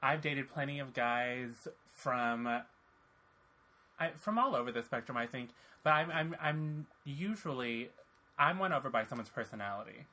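A man co-hosting a podcast with a light voice, sassy and quick to trade playful insults. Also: mid-range voice, sharp tone. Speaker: podcast co-host. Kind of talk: bawdy casual banter. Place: indoor room at a shared table.

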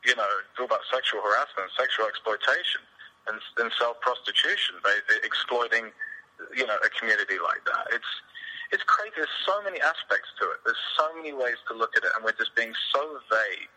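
A man's voice: mid-range voice, lively intonation, fairly quick, pushed and bright, low-quality recording. A man from England with a British accent, speaking as a guest in a candid, rambling interview. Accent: British English. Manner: outspoken, rambling with frequent restarts. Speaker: podcast guest.

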